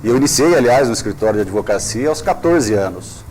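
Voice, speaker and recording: A man, a prosecutor guest in a studio interview, speaking in a measured, formal way with frequent hesitations. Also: mid-range voice, lively intonation, darkish tone. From Brazil. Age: 50s.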